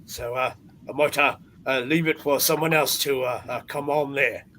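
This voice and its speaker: A man's voice: mid-range voice, fairly even intonation, pushed and bright. A man speaking hesitantly as a guest in a casual chat. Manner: hesitant, frequent drawn-out uhs. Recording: noisy internet call with room ambience.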